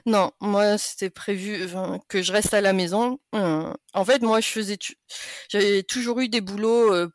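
A woman's voice: mid-range voice, no room sound, studio quality. A woman in her late thirties from France, a podcast guest chatting casually and laughing often between sentences. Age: 30s. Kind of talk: casual interview chat.

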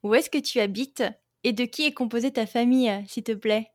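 A woman's voice: fairly high pitch, fairly quick, a little mellow, dry recording, clean studio sound. A woman hosting an interview, asking questions in a playful, teasing way and laughing easily. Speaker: podcast host. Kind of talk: casual interview chat.

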